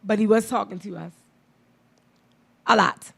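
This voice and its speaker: Woman hosting a talk radio show, kinda gravelly voice, blunt and chatty, laughs a lot. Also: medium pitch, unhurried, fairly bright tone. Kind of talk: casual chat.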